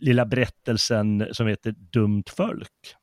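A man's voice: lowish voice, dry recording, studio quality. A man co-hosting a casual chat about poetry, telling stories with lots of fillers and restarts. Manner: animated storyteller with many fillers. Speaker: podcast co-host.

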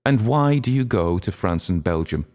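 A man's voice: on the low side, animated, normal speed, darkish tone, pitched above the performer's own voice, close to an everyday voice. A man voicing a zealous, teasing young woman who presses with pointed questions. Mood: insistent.

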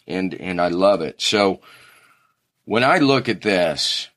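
Slow, low-voiced man telling a story. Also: animated, a bit bright. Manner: rambling, self-correcting storyteller. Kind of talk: casual conversation.

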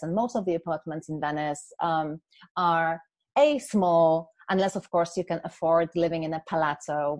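A woman in her forties from Poland with a Polish accent, speaking as an interview guest in a thoughtful, measured way with frequent pauses. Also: lowish voice, dry recording. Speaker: guest, culture consultant. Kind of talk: reflective interview conversation.

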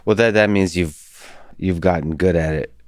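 A man with Russian as his first language, hosting a podcast in a soft-spoken, halting way with many restarts. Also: deep voice, no room sound, studio quality. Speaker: podcast host. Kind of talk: casual conversation.

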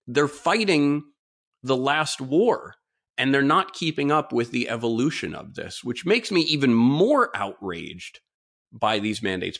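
A man with a mid-pitched voice and a mildly stuffed-up nose speaks alone as a podcast host. He is informal and opinionated, stressing his points with repeated words as he delivers his monologue. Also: a bit bright. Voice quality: slightly congested, stuffy nose. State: mild nasal congestion from a cold-like illness.

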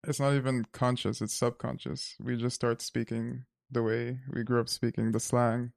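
A man from Zimbabwe, a guest in a reflective conversation, thinking aloud and pausing often to find the right word. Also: medium pitch, flat delivery, creaky, darkish tone, no room sound, studio quality. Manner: thoughtful, searching for words with many fillers.

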